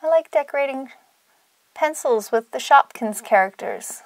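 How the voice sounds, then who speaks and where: Animated high-voiced woman hosting toy unboxing. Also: moderate pace, no echo. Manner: gushing, exclamatory, sing-song. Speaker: toy unboxing video host. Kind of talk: playful toy unboxing narration for children.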